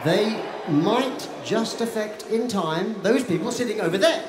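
A man's voice: high-pitched, animated, unhurried, noisy background. A man in his fifties, a lead singer, doing playful, teasing stage banter that builds by repetition, into a handheld mic on an outdoor stadium stage. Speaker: lead singer addressing the crowd. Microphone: handheld stage mic through PA. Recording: echoey stadium PA with loud roaring crowd. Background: roaring crowd.

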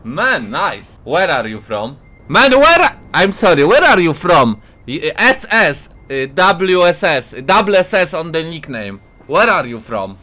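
Playful Polish-accented gamer man, lively voice. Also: fairly high pitch, slow. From Poland. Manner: playful trolling, broken English mixed with Polish. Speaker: gaming YouTuber. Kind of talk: joking voice chat while playing a truck game.

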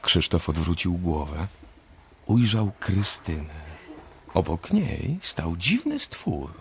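A man narrating a radio drama as an expressive, scripted storyteller. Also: low voice, slow, slight background noise.

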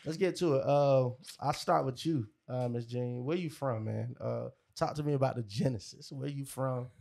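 A man's voice: mid-range voice, normal speed, vocal fry, a little mellow. A man in his thirties hosting a podcast, joking casually in slang and jumping in with interjections in a studio. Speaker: podcast host. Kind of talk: casual chat. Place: small furnished podcast studio. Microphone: close boom-arm studio mic with headset.

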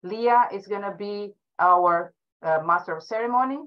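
A woman's voice: mid-range voice, measured pace. Female webinar moderator, middle-aged, mid-range voice, somewhat dull video-call sound. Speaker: webinar host. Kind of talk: bilingual welcome and moderating.

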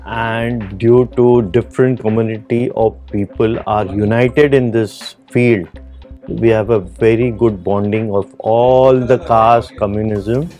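A middle-aged man with an Indian English accent, a jeweller answering interview questions in earnest, halting English inside his small shop. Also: on the low side, fairly even intonation, warm tone, soft background music.

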